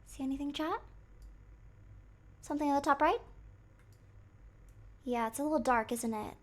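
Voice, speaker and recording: A woman's voice: sits high, moderate pace. A woman livestreamer with a cute, girlish anime-like voice, commenting casually and playfully on a game to her chat, sometimes murmuring to herself. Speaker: livestreamer playing a horror game.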